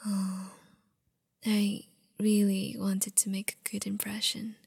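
A young woman whispers close to the microphone, her voice airy and breathy throughout. She talks slowly and intimately, doting but possessive, like a girlfriend speaking to her partner. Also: medium pitch, completely flat delivery. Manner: mostly whispering, soft and intimate. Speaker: ASMR roleplay performer. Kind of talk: whispered girlfriend roleplay, ASMR. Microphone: close mic.

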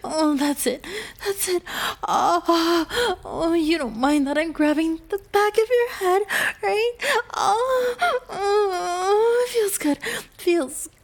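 Woman acting a very high-pitched, flustered, sarcastic young woman. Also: expressive, slow pace, exaggerated voice. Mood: exasperated, aroused.

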